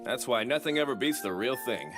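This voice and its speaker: A man's voice: mid-range voice, animated, fairly quick, natural voice. An actor voicing a practical, matter-of-fact male sound staff member in an anime dub. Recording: music playing under the voice.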